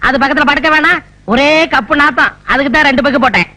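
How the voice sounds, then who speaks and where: An actor playing a hapless, bumbling drunk village man with quick-tempered, grumbling comebacks, in an old film comedy. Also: very high voice, sharp tone, exaggerated voice, rough recording. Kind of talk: 1980s Tamil film comedy.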